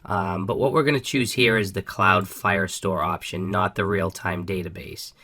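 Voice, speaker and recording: Coding tutorial host, male, low-ish voice, bright and slightly raspy, casual walkthrough delivery. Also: fairly even intonation, moderate pace. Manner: upbeat, casual, frequent ums and restarts. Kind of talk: screen-recorded coding walkthrough.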